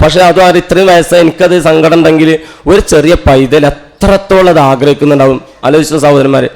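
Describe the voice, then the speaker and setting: Middle-aged Malayali man, rapid and heartfelt storytelling, restarts mid-sentence. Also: on the high side, a little mellow, rough recording. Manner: fast, earnest, with frequent restarts. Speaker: teacher giving a talk at a cultural centre. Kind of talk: emotional storytelling speech.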